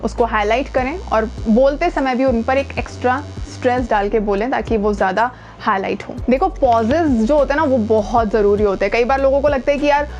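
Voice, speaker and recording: Higher-pitched Indian woman coaching on speech. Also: a little fast, few pauses, a little mellow, dull audio, soft background music. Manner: code-switches into English, stresses key words. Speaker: voice training coach and presenter. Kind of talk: instructional talk to camera, conversational.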